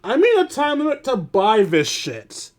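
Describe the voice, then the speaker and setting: A man's voice: very high-pitched, wildly swooping pitch, measured pace. A man doing casual livestream game commentary, talking informally with swearing and grumbling. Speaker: video game streamer. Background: music.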